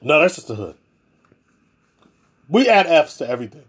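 A man hosting a podcast in casual chat, telling stories in an animated way, laughing often and acting out what people said. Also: on the high side, moderate pace, slightly rough. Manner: animated storyteller, laughs often, acts out quotes. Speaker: podcast host.

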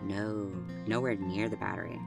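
A woman acting in an audio drama as an anxious, gentle twenty-year-old driver, hesitant and earnest, with stammered starts. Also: extremely low pitch, steady tone, moderate pace, gravelly, over loud music. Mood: hesitant, patient.

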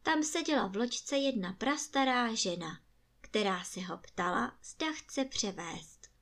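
A woman storyteller with a fairly high voice reads a fairy tale aloud. She narrates calmly and at a measured pace.

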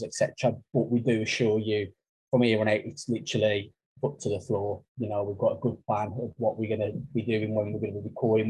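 Husky Black Country man, even-toned. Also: lowish voice, rough recording. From Black Country, England. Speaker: podcast co-host. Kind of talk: casual sports podcast chat.

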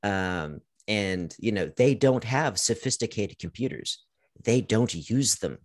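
A man with a fairly low voice, chatting casually on a podcast. He teases and argues back in a playful way, with plenty of fillers. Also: animated, unhurried. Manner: playful, teasing, contrarian. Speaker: podcast host. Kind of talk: casual movie review chat.

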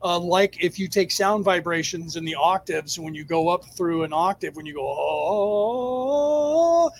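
A man with a fairly high-pitched voice speaks as a spiritual teacher answering a live audience. He explains things emphatically and off the cuff, in stop-and-start phrases. A faint rumbling noise sits under the recording. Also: steady tone, normal speed, a bit bright. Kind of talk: extemporaneous spiritual lecture to a live chat.

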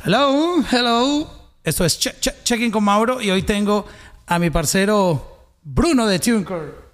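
A male host speaks in a noticeably high register for a man. He has a Colombian accent and chats in a conversational interview style. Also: animated, moderate pace, soft background music.

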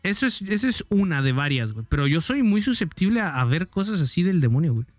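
A man telling a scary story in casual chat, animated and mimicking sounds. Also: fairly high pitch, quick pace, no echo, faint music behind. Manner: animated, mimics sounds, says "güey" constantly. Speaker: podcast co-host.

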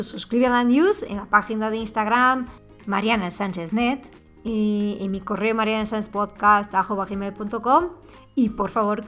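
A woman hosting a parenting podcast. Her voice sits a touch higher than most women's. She addresses the listener directly, and her tone is earnest and quick to become impassioned. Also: fairly bright tone. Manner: speaks straight to the listener. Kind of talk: podcast monologue.

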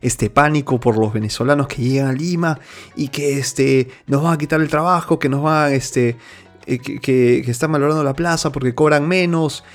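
A man's voice: medium pitch, normal speed, faint music behind. A man from Peru hosting his own opinion show, speaking earnestly with many restarts and fillers. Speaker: host. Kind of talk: opinion monologue.

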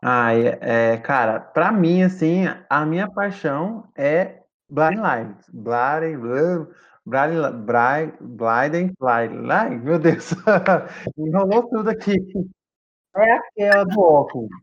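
Campy Brazilian man, slightly high voice. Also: lively intonation, slow pace. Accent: Brazilian Portuguese. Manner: campy, playful, laughs often. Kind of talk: casual chat. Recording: dull lo-fi mic.

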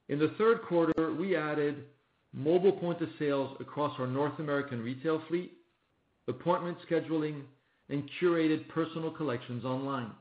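A man, a company executive, reading a scripted corporate presentation on an earnings call in formal, measured phrasing. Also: fairly high pitch. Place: conference call line. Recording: muffled phone-like line, roomy echo.

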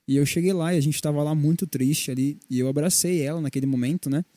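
A young Brazilian man tells faith stories at a brisk clip on a casual Christian podcast, slipping into the voices of the people he quotes. His tone is deeply dark and mellow, with a slightly raised pitch for a man. The sound is close and dry, with no room around it. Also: no echo. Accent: Brazilian Portuguese. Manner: animated storyteller, acts out quoted dialogue. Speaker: podcast co-host.

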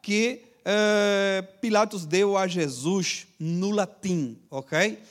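A man's voice: high voice, extremely slow. A pastor preaching to his congregation in a teaching manner, checking in with short tag questions and having them repeat after him. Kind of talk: sermon.

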